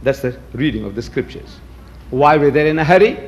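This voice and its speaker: A man from South Africa, Gujarati by birth, lectures an audience with emphatic, rhetorical questions. His voice sits a little high for a man, and he acts out both sides of old arguments in quoted dialogue. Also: lively intonation, a little fast. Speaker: public speaker on religion.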